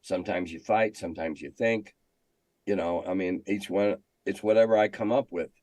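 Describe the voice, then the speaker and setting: A man's voice: low-pitched, steady tone, normal speed, a little mellow, dry recording. An older man telling stories casually in an interview as a veteran game master, talkative and salty with dry humor.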